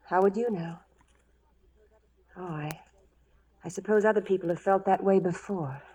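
Low-voiced, proud frontier woman played by an actress. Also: normal speed, dark tone, close to an everyday voice, rough recording. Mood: wistful, defiant. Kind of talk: 1940s radio western acting.

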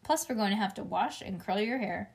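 Strict storybook mom, acted out by a woman: exasperated, emphatic, quick to scold. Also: mid-range voice, animated, vocal fry. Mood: firm. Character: exasperated, strict, quick-tempered mother of a young girl.

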